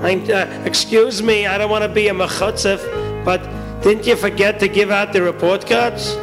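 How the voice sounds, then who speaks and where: A goody-goody schoolboy voiced by a man with a high voice. He is prim, polite and meddling in a hesitant way, in a comic tale over music. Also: fairly even intonation, moderate pace. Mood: meekly meddling.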